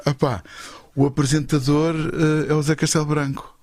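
A man's voice: on the high side, normal speed, no room sound, clean studio sound. A middle-aged man, telling anecdotes as a guest in casual, slangy chat and acting out the dialogue. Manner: slangy, animated storyteller who acts out dialogue. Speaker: guest, voice actor.

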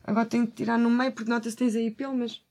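Higher-voiced Portuguese woman, casual and slangy. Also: little pitch movement, rapid-fire, a little mellow. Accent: European Portuguese. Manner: informal, slangy. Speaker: podcast co-host. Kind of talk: casual chat.

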